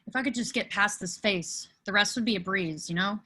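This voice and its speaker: Woman playing an earnest teenage boy, bright voice. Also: medium pitch, brisk, husky. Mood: anxious, determined. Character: earnest, anxious, lovelorn teenage boy skier. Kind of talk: amateur virtual table read of a film script.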